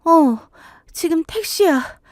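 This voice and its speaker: A young bride-to-be, read by a woman storyteller who sounds puzzled and anxious, asking question after question. Her pitch sits higher than the narration and jumps around, recorded close and dry. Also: lively intonation, takes it slowly, no room sound, heavily acted.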